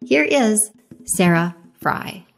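A woman hosting an interview podcast, reading a bright scripted intro and then chatting with enthusiasm. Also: mid-range voice, expressive, takes it slowly, vocal fry, soft background music. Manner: upbeat, warmly enthusiastic. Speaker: podcast host.

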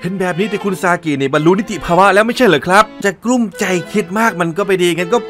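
A man narrating an anime recap in a chatty, playful way, jumping into quick character lines. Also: sits high, a bit bright. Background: background music.

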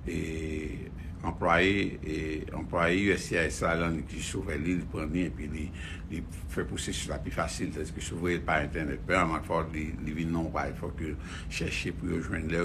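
A man's voice: very deep voice, little pitch movement, a little slow, background noise. A man with a Haitian accent giving rambling news commentary, repeating phrases and using many fillers.

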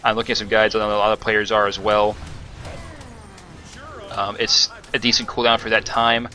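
A man talks through his own gameplay footage in an easygoing, rambling way. His voice sits a bit low, with a bright, forward edge to it. He stops often, with fillers and restarts. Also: flat delivery, moderate pace. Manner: rambling, many fillers and self-corrections. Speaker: gaming commentator. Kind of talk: casual gameplay commentary.

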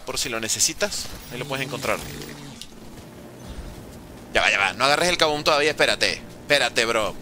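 A Venezuelan man streaming a game live, chatting with viewers and reacting in quick bursts. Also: mid-range voice, slight background noise. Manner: lively, banters with chat, talks fast in bursts. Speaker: gaming streamer. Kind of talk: live gameplay commentary reading chat.

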